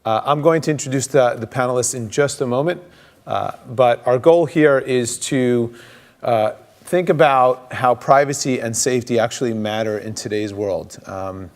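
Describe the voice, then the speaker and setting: A man's voice: mid-range voice, moderate pace. A man moderating a conference panel, hesitant with many filler sounds. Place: conference stage.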